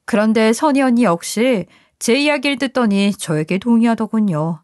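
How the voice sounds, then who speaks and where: A woman's voice: on the high side, moderate pace, a little mellow, dry recording, studio quality. A woman narrating a first-person story in a confiding, scripted manner.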